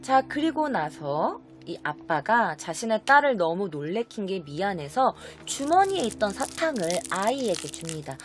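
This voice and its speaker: A woman casually telling an urban legend to her viewers, chatty and animated, briefly acting out the quoted voices. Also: mid-range voice, moderate pace, few pauses, slight background noise. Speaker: YouTube storyteller. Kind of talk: casual spooky storytelling.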